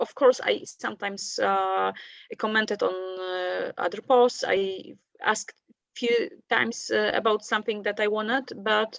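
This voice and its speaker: At a fairly slow pace, someone with a non-native accent speaks with a dry, close sound and no echo. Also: woman. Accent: non-native English, imperfect. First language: Polish. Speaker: course participant. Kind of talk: interview. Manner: halting, many fillers.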